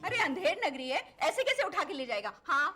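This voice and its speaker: An actress playing a concerned, outspoken housewife who reacts with indignation. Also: female voice, high voice, very animated, a little fast, sharp tone, full character voice. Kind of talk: TV drama acting. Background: background music.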